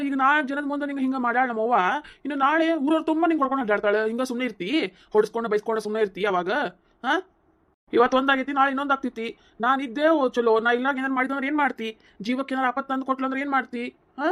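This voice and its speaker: A woman with a high voice and fairly bright tone talks very fast as the heated young husband in a cartoon comedy. Using a North Karnataka Kannada accent, she has him insistently scold and lecture his mother in defense of his wife.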